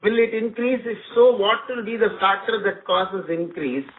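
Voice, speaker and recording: A man with an Indian accent giving measured, formal answers as a company executive on an earnings call. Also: high voice. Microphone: conference phone call. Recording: narrow phone line with clear noise.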